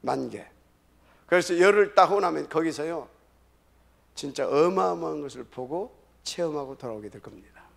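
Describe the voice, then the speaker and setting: A male pastor preaching a sermon in a high voice with a gravelly edge. He hammers his points home emphatically and then sinks into hushed, repeated phrases. The sound is that of a church service. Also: animated, normal speed. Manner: emphatic preaching, sudden drops to whispered repetition. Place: church sanctuary.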